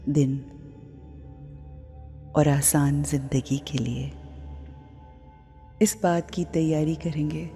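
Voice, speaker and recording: A woman guides a meditation in a low, mellow voice. She speaks extremely slowly and leaves long pauses between short phrases. Her voice carries a long reverb, with music playing underneath.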